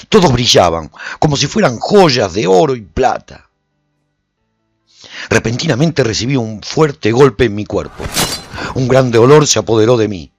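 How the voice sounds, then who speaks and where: An actor playing a weary swordsman who narrates his post-apocalyptic adventure in a radio drama, husky and theatrical. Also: fairly low pitch, no room sound. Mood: intense, urgent. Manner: intense, theatrical. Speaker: narrator and protagonist.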